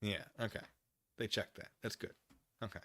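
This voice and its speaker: An American man streaming a dramatic reading of a document, breaking off into wry, excitable, casual asides as he goes. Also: fairly low pitch, normal speed. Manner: animated, wry, digressive, easily excited.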